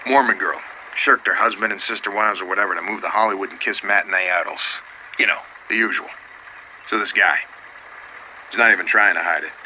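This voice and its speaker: An actor playing a wry, world-weary private detective, rambling through slangy case stories in a noir audio drama. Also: male voice, on the low side, lightly acted. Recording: dull, noisy old tape recording.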